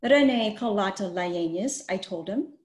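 A woman's voice: medium pitch, expressive, unhurried. A middle-aged woman hosting a picture book read-aloud over a video call. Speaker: host reading a children's book. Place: plain small room, indoors. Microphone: video call computer microphone. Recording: roomy, echoey video call.

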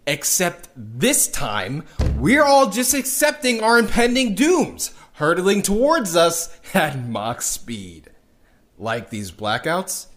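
A wry, weary young underground dweller in a sci-fi audio drama. He reflects slowly and haltingly, as if confiding in someone. His mid-pitched voice moves widely up and down through the intimate monologue. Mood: wry, agitated. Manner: reflective, halting, with sardonic little laughs and sighs.

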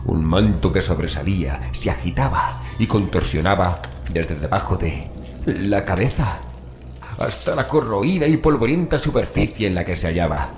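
Deep-voiced man narrating horror. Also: animated, moderate pace, a little mellow, soft background music. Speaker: audiobook narrator. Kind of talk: scripted horror story narration. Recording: roomy echo, faint background noise.

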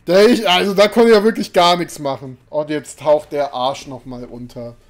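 A young man on the high side of the vocal range streams a game from a small indoor room, speaking at a moderate pace with fairly even intonation. He rambles casually to viewers with the odd exasperated outburst. He's on a desk mic and webcam, and game music plays quietly in the background.

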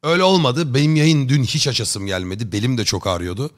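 A male streamer talks loosely to his chat, joking and rambling in friendly slang. His voice sits at an ordinary middle pitch, and he keeps the tone of a relaxed, unscripted live chat. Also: fast. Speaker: live streamer chatting with viewers. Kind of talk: casual chat.

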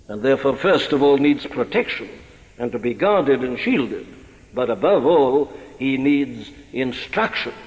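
An older man preaching a sermon in a church, earnest and deliberate, slowing down to stress key words. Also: mid-range voice, a little mellow. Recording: dull archival sermon recording in a large hall.

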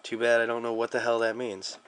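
A man's voice: mid-range voice, completely flat delivery, fairly quick, a bit bright, a little hiss or hum. A young American man giving a casual, slangy, joking app demo as a video reviewer.

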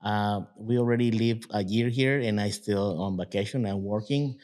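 A man in his fifties from Guatemala, Spanish-speaking by birth, talking haltingly in broken English about his plant nursery in a casual interview. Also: on the low side, darkish tone. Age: 50s. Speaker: guest, nursery owner.

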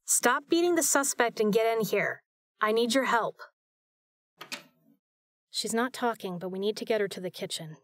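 A woman's voice: fairly high pitch, normal speed, long pauses, lightly acted. A woman playing a tough, capable spy in an audio drama, flirty yet caring. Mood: urgent. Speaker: voice actor in a fan audio drama. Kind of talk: audio drama acting, intimate.

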